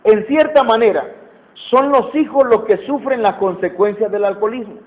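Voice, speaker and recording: A man's voice: high voice, moderate pace. A Mexican man preaching a sermon, emphatic, repeating key phrases and questioning his listeners. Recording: tinny phone-like sound.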